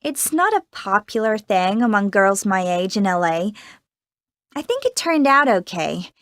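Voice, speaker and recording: A woman playing a cheerful American teenage girl actress in a scripted interview, chatty and quick to laugh, with an American accent. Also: medium pitch, sing-song, a bit bright, no echo, studio quality. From United States. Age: teens. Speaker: young film actress being interviewed. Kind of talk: scripted exam-recording interview.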